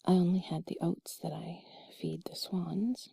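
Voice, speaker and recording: A woman telling a personal story in an intimate, cuddly, breathy whisper, soft, rambling and confiding, as if to one listener. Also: fairly low pitch, steady tone, measured pace, dry recording. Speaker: intimate audio creator.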